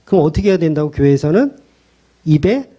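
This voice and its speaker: A man's voice: on the high side, sing-song, fast, mellow, slightly rough. A male pastor preaching a sermon in a blunt, colloquial way, pressing the congregation with rhetorical questions.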